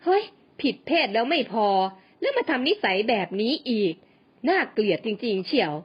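Woman doing a catty middle-aged gossip, sharp-tongued and high, muffled recording. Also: very animated, moderate pace, slightly rough. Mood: scornful. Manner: teasing, judgmental.

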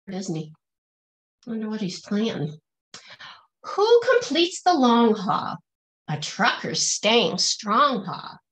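A woman's voice: a little high, fairly bright tone, low-quality recording. A middle-aged woman reading a picture book aloud to children in a singsong, teacherly way, stressing the rhymes and asking questions.

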